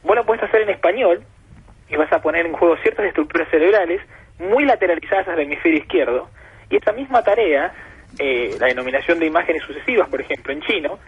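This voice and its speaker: A man's voice: on the high side, expressive, fast, husky. A man with an Argentine accent, speaking as a guest expert on a radio interview, patient and professorial, building his points with examples. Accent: Argentine Spanish. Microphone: telephone. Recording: muffled phone line on radio.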